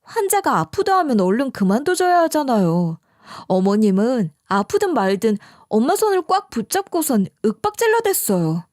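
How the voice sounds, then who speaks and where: A woman narrating a scripted first-person story with plenty of feeling. Her voice sits slightly high and moves a lot, recorded dry and close with no room sound. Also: moderate pace, no room sound. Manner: expressive, emotional storytelling.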